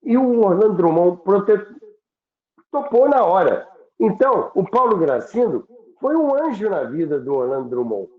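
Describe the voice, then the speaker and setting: A man with a Brazilian accent telling anecdotes deliberately and haltingly on a podcast, repeating himself for emphasis. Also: high voice, big pitch swings. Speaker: radio history storyteller on a podcast. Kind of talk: anecdotal storytelling talk. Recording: roomy, tinny phone-like sound.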